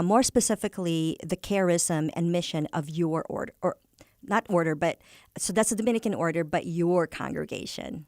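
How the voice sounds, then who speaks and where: A woman's voice: on the low side, a little mellow, dry recording, clean studio sound. A woman from the Philippines interviewing a guest over a video call, talking with many fillers and restarts. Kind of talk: casual interview.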